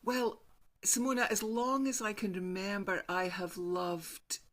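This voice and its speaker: A woman in her sixties with a Northeast Scots accent, a storyteller chatting as an interview guest in a lively storytelling way. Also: medium pitch, a little slow. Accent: Northeast Scots (Doric). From northeast Scotland. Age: 60s. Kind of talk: casual interview talk.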